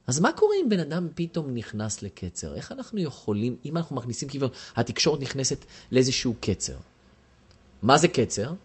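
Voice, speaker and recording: A man's voice: medium pitch, husky. A man giving a lecture to a class and asking the audience questions. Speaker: teacher.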